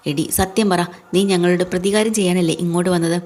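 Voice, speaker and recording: A woman's voice: lowish voice, steady tone, a little fast, a little mellow, lightly acted. A woman voicing an angry, suspicious young husband in a serial retelling. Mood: accusing. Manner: accusing.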